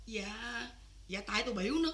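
An actress playing an older, loud, scheming village mother-in-law in a Vietnamese cải lương stage drama, wailing and shouting. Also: medium pitch, lively intonation, fairly quick, lightly acted. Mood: pleading. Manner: wailing, shouting, theatrical crying.

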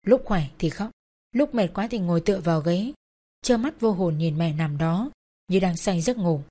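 A woman's voice: on the low side, expressive, normal speed, mellow. Sorrowful woman narrating a story. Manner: sorrowful, emotional. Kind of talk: first-person dramatic story narration.

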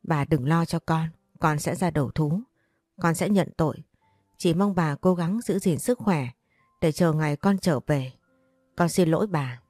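A woman reading a story voices an angry, remorseful young grandson in a low, mellow tone, with pointed emotional speech. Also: unhurried, no room sound, studio quality, faint music behind. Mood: tearful.

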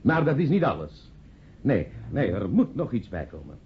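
A man's voice: medium pitch, big pitch swings, moderate pace, natural voice. A man acting a blunt, opinionated publisher talks with emphatic, widely swinging intonation. His delivery is gossipy and rhetorical, in radio-play style. The sound is thin and phone-like with faint noise. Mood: speechifying. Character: opinionated, blunt publisher, family friend at a party.

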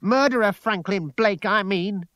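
A man's voice: high voice, unhurried, a bit bright, dry recording, pitched above the performer's own voice. A man voicing a bitter, grieving young working-class woman with an emotional, accusing manner in a story. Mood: fierce, shouting.

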